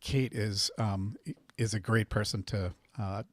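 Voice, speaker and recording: A man on a casual panel chat who talks hesitantly, with many pauses and restarts. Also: lowish voice, fairly even intonation, dry recording.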